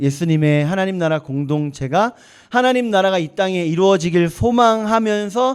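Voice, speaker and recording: With lively intonation and a fairly quick pace, a man speaks in a very clean recording with a silent background. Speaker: pastor. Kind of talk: sermon. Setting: church. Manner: conversational, asks congregation questions.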